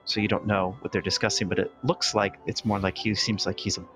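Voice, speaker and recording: A man running a tabletop game, describing scenes in a casual, hedging way. His voice is low. Music plays clearly in the background. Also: level tone, fairly quick. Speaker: game master.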